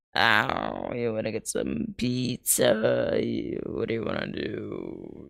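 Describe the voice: A man does a put-on character voice, raspy and creaky, at a very slow pace.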